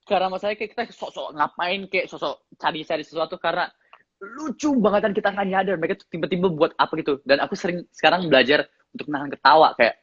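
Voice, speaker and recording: A man with a slight English accent in his Indonesian, an actor chatting casually in an interview, relaxed and often laughing. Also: on the high side, quick pace, husky, dry recording, lo-fi sound. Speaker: actor guest.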